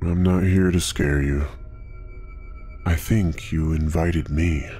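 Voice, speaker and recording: Clear background noise accompanies a man putting on a character voice. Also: fairly slow pace. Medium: read story. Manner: calm, hesitant.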